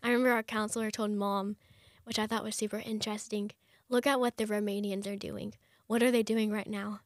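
A young woman, a chatty interview guest who talks fast with lots of fillers. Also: medium pitch, level tone, no room sound, studio quality. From United States. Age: young adult. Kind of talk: conversational interview.

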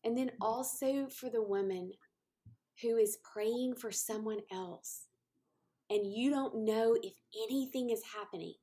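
A woman's voice: a little high, a little slow, warm tone. A woman podcast host speaking heartfelt encouragement to listeners, repeating phrases and using many fillers.

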